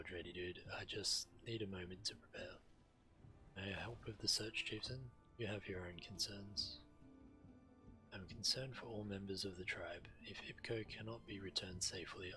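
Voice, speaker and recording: A man's voice: sits low, fairly even intonation, moderate pace, over music, natural voice, rough recording. A man reading solemn fantasy quest dialogue of tribal villagers aloud on a game stream. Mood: earnest.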